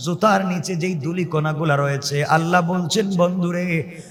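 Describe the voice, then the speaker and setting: A man preaching a waz sermon, fervent, rising into high chanted cries and sung recitation. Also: fairly even intonation, normal speed, in a large hall.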